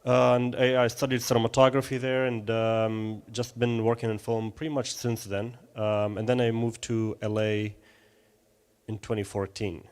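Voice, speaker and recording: A man's voice: mid-range voice, little pitch movement, normal speed, a little mellow, clean tone. A man from Syria in his thirties, a filmmaker guest answering questions in a live interview, hesitant with many fillers and restarts.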